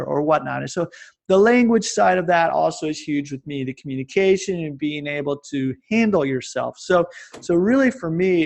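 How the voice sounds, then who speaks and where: A man in his forties from the United States, a fitness coach telling stories in a rambling, animated way with many restarts. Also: on the high side, gravelly. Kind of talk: casual interview chat. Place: lives in Japan.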